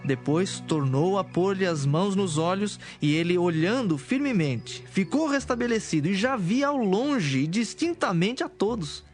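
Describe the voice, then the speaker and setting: A man narrating scripture from a script in a measured, solemn manner. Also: high-pitched, animated. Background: music.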